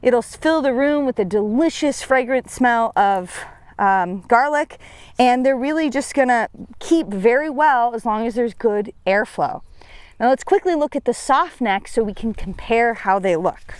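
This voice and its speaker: A woman's voice: a little high, a little slow, clear, resonant tone, no echo. Woman, young adult, outdoor gardening tutorial, upbeat, chatty, dry sound. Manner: chatty, self-deprecating, upbeat. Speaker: seed company gardener. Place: outdoors on a farm.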